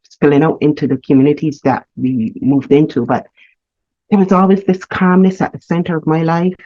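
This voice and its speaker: A woman from Barbados, telling her life story as a guest, earnest and reflective with halting restarts. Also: low voice, fairly even intonation, mellow, no room sound. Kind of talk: candid personal storytelling. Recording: slightly muffled lo-fi audio.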